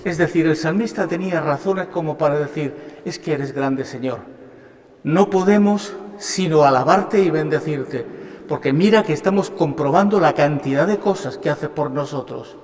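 A man's voice: fairly high pitch, a little mellow, a little hiss or hum. An older man from Spain, a bishop, giving an earnest homily at Mass from a lectern in a large chapel. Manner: slow, earnest preaching with rhetorical questions. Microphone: stand mic at a lectern. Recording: long church reverb.

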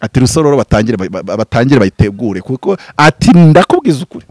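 A man in his thirties from Rwanda, a pastor speaking in an impassioned, preaching style, swinging from loud bursts to low murmurs. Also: very animated, fast, dry recording. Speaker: pastor and prophet. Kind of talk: animated preaching-style interview talk. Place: outdoors before green foliage. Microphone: handheld mic held close.

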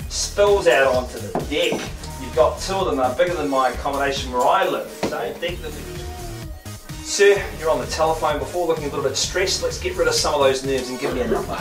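A middle-aged New Zealand man runs a house auction with brisk, wisecracking patter, his voice sitting a touch high. He is picked up from across an echoey, crowded room rather than close to a mic. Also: recorded from a distance, over music. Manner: quick joking banter, rhythmic bid calling. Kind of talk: live property auction patter. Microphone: far camera, no mic.

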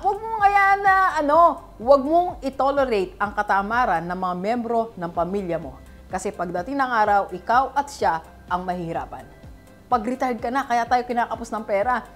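A woman with a Filipino accent coaches her audience on money in a lively, conversational talk, pausing often to check that they follow. Her voice sits fairly high. Soft music plays faintly behind her. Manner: lively, chatty, rhetorical "di ba?" and "alright?" checks. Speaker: financial coach. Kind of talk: motivational Taglish talk.

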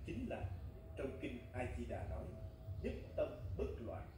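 A man preaches a Buddhist lecture in short, instructive phrases at a middle pitch. The recording is heavily echoing, with clear noise around the voice. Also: huge pitch swings, measured pace. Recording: very echoey, distant, noisy room recording.

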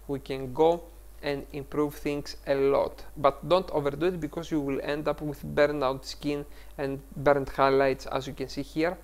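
A man with a Greek accent hosting a photo-editing tutorial, explaining each step over a screen recording and correcting himself as he goes. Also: on the high side. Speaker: tutorial host.

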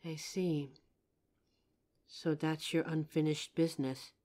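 A woman playing a friendly, curious psychic who helps out in a costume shop, chatting expressively to the listener in a roleplay audio drama. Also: deep voice. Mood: curious, gentle. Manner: chatty, expressive, with pauses and soft laughs. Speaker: voice actor. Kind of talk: roleplay audio drama, one side of a chat addressed to the listener.

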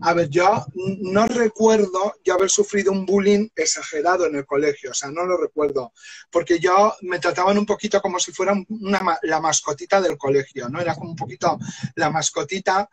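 A man's voice: high voice, fairly quick, breathy edge, rough recording. A man, hosting a live stream in casual chat, rambling with many fillers and restarts.

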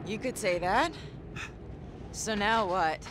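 A woman's voice: mid-range voice, takes it slowly, background noise, lightly acted. A woman playing a concerned adventurer in her thirties in a video game, natural and earnest. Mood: uneasy. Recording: music behind the voice.

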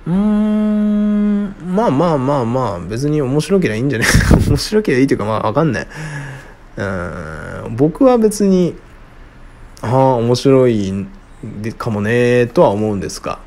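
A man answering listener questions alone in casual talk, frank and rambling with many fillers, often trailing off quietly. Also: moderate pace. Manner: lively, wide pitch swings. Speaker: radio-style show host answering listener questions.

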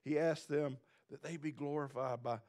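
A man's voice: a little high, steady tone, normal speed, darkish tone. A middle-aged man preaching a sermon to a small congregation, building to emphatic repeated lines. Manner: preaching with rising intensity and emphatic repetition; pacing the stage with wide gestures. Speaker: pastor. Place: small church stage with seated congregation.

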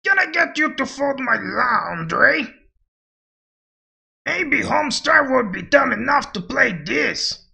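A man's voice: extremely high pitch, big pitch swings, slow, vocal fry, bright, forceful tone, exaggerated voice. A man voicing a cocky, boastful masked male wrestler in a brash put-on voice for a fan voice demo. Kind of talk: fan voice demo of game quotes.

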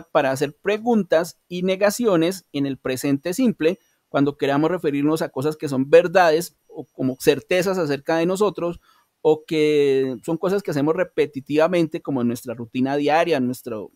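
A man's voice: a little high, moderate pace, a little mellow, dry recording, studio quality. Colombian man teaching English online. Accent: Colombian Spanish. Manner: patient, explains step by step, often asks "¿sí?". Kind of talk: online class explanation.

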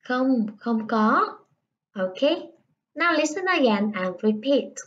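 A woman teacher with a slightly high voice. She reads the dialogue slowly and translates each line for young pupils. The recording is dull and lo-fi. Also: sing-song. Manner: slow reading with line-by-line translation. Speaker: English teacher. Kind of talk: online primary English lesson.

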